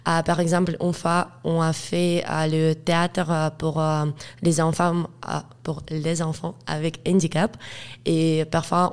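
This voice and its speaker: A woman's voice: low voice, a little mellow. An eighteen-year-old woman from Ukraine with a Ukrainian accent, speaking French as a second language in a casual interview, hesitant with many fillers and laughs. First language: Russian and Ukrainian. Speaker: guest, student.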